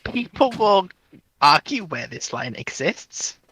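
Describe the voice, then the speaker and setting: A man giving a humorous, mock-solemn explanation as a live stream co-host, in measured storytelling phrases. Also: on the high side, very animated, sharp tone, husky, rough recording.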